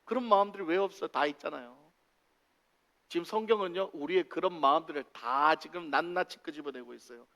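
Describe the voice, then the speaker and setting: A man preaching a sermon in a church, acting out voices with big swings in pitch and loudness. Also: fairly quick. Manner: animated, acts out dialogue with big pitch swings. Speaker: pastor. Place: church sanctuary. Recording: long hall reverb.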